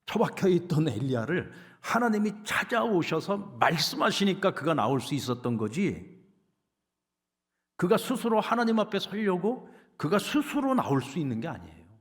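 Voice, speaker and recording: A male pastor giving an emphatic, animated sermon. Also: high-pitched, normal speed. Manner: emphatic, animated preaching with acted quotes.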